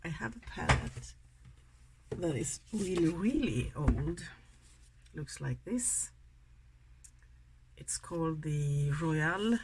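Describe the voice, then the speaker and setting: A Swedish woman in her sixties chats casually and a bit ramblingly, soft-spoken, while doing a makeup tutorial as a beauty vlogger, with a Swedish accent. Her low voice is animated yet slow, with long pauses, over slight background noise in a rough recording.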